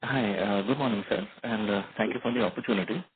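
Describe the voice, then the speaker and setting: Low-voiced man, noisy phone line. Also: fast. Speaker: individual investor calling in. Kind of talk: asking questions on an earnings call. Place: phone call.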